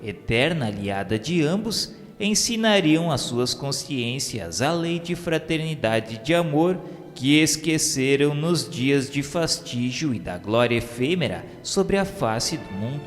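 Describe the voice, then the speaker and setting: A man's voice: medium pitch, expressive, a little slow, few pauses. A man with a Brazilian accent reads a scripted religious radio novela as narrator, in a solemn, formal manner. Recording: long hall reverb under music. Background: music.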